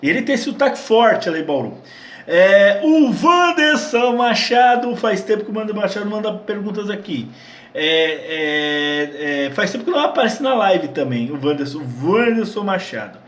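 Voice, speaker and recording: A man from Brazil chats loosely through viewer questions. He restarts his sentences often and repeats words as he goes. His voice sits fairly high, and the room around him rings with echo. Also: lively intonation, normal speed. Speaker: channel host answering viewer questions. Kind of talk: casual Q&A chat. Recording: echoey room.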